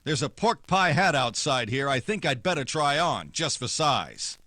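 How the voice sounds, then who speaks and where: An actor playing a hard-boiled, wry private detective with terse, sardonic wisecracks, in old-time radio noir style. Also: male voice, medium pitch, big pitch swings, normal speed, noisy background, lightly acted. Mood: brisk, wary.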